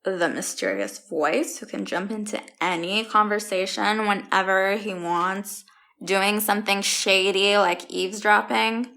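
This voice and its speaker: Exasperated young student, played by a woman: wry, incredulous, casual, gravelly fry at a middle pitch. Audio comedy. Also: fairly even intonation, unhurried, pushed and bright. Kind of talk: audio drama comedy acting.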